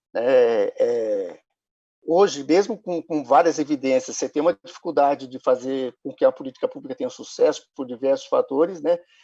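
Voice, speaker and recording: Big swings in loudness from a man at a moderate pace, dry and close with no echo. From interior of São Paulo state, Brazil. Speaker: education researcher. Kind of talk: academic presentation. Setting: video call. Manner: halting, many repetitions and fillers. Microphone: phone camera, recording from phone.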